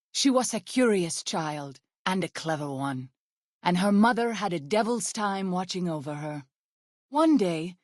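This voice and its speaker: A young tribal woman scout for a video game, gentle and devout. Her mid-range voice is solemn and wistful, with careful, formal phrasing. The sound is dry, with no room around it. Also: medium pitch, no room sound. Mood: solemn storytelling. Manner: measured, formal phrasing without contractions, earnest. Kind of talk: video game character dialogue.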